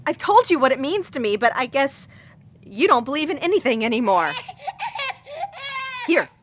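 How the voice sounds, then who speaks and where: High-voiced, wounded, devoted wife. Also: female voice, big pitch swings, moderate pace, slight background noise. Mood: upset, tearful. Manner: emotional, pleading. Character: devoted, wounded wife pleading with her partner. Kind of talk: audio drama acting.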